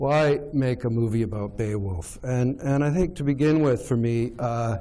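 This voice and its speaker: A man speaks with a Canadian accent at medium pitch and ordinary pitch variation. Audible room echo surrounds the voice. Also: moderate pace. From Canada, immigrant from Iceland at age six. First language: Icelandic. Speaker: film director. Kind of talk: lecture. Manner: halting, many fillers.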